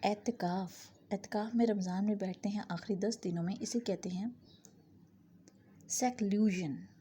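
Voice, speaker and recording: A woman teaching English vocabulary, saying each word pair twice and the English words slowly. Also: medium pitch, steady tone, warm tone, slight background noise. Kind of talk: vocabulary lesson.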